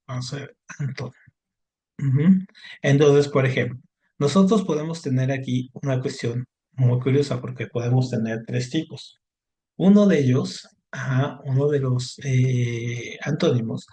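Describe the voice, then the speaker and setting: A man's voice: medium pitch, darkish tone. Guy teaching a class, keeps asking the students if they follow. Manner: explanatory, frequent tag questions and fillers. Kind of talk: online class lesson.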